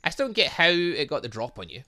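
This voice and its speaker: A man's voice: on the high side, sing-song, fast talker, pushed and bright, dry recording. Guy doing a lets play, reads the text out n comments, keeps fixing his slips, very up and down voice, dry close sound. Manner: stumbles over words and corrects himself while reading. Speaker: gaming YouTuber reading a visual novel aloud. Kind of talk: let's play, reading dialogue aloud with improvised commentary.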